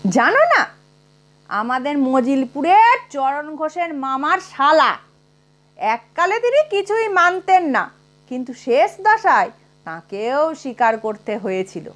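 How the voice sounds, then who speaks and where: A woman narrating a comic short story aloud in an expressive, unhurried manner. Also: high-pitched.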